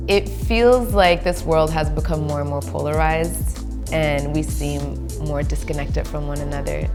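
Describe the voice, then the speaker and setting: Woman, writer and translator, documentary interview, low voice, measured, music underneath. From Belgium.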